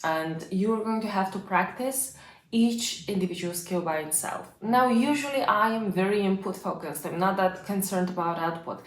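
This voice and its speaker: A woman's voice: medium pitch, expressive, moderate pace, a little hiss or hum. A young woman with Bulgarian as her first language giving a casual, chatty lesson on language learning, full of fillers. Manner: chatty, lots of fillers like "like" and "you know". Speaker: language coach. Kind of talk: casual advice lesson to camera. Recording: echoey room.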